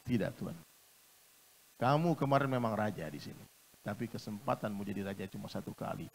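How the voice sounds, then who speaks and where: A man playing a curt palace guard who answers in low, quiet, clipped replies. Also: brisk, gravelly. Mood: dismissive. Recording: echoey large hall.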